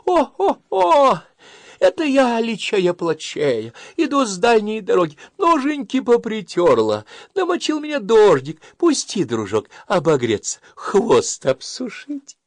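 A man voicing a sly female fox with a high sing-song, wheedling voice. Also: wildly swooping pitch, a little slow, dry recording, heavily acted. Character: sly vixen fox, wheedling then bullying.

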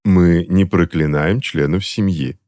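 A cool, mocking middle-aged aunt who doesn't look up from her book, speaking in an unhurried, dry voice without a trace of sympathy, as a male narrator voices her. The voice is slightly lifted above the reader's low voice, with lively intonation. It sounds like a storybook reading. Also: no echo. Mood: cold, unhurried. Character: cold, sarcastic middle-aged aunt, unsympathetic.

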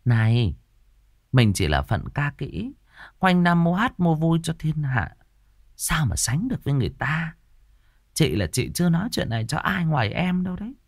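A man voicing a sharp-tongued, spiteful young woman singer in a storybook reading, talking in a taunting, gossipy way. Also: fairly high pitch, big pitch swings, moderate pace, no echo, studio quality, pitched above the performer's own voice. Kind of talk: storybook narration with voiced characters.

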